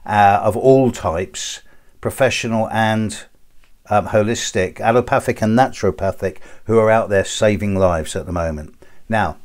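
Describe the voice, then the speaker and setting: A middle-aged man, an astrologer, chatting casually to his viewers and telling jokes with relish. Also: lowish voice. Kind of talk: casual chat to camera.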